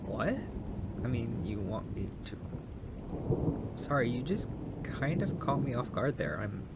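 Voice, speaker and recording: A man's voice: mid-range voice, big pitch swings, a little slow, very noisy. A man playing a shy, polite and kind young male neighbor in an intimate ASMR roleplay, speaking hesitantly and apologetically, with stammers. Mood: flustered, hesitant.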